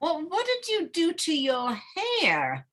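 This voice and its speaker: A woman's voice: sits high, wildly swooping pitch, slow pace, fairly bright tone, full character voice. A woman playing an anxious, pleading small-town mother in a dramatic table read. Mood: anxious politeness. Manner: pleading, worried.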